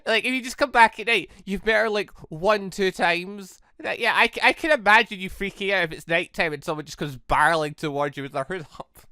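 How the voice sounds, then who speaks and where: A gaming video host doing rambling let's play commentary and reading a visual novel aloud, in an animated way. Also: mid-range voice, fairly quick, few pauses, no room sound, studio quality. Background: game music.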